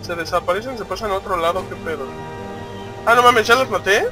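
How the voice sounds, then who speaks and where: A man with a Mexican accent talks through his game, swearing freely and breaking into loud outbursts. His voice sits high for a man, and clear music plays underneath him. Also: brisk. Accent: Mexican Spanish. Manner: excitable, cursing constantly, loud outbursts at the game. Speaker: gaming video host. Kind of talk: gameplay commentary.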